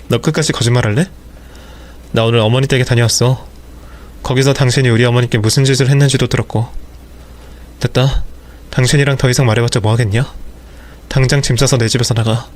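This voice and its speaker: A man's voice: mid-range voice, lightly acted. A man voicing an angry husband who speaks harshly and accusingly to his wife.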